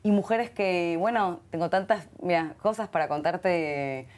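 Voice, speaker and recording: A middle-aged woman with an Argentine Spanish accent, a guest in an interview who speaks in an expressive way, often repeating herself. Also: on the low side, unhurried. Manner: warm and expressive, many repeated words and Hebrew terms. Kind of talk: heartfelt conversational interview.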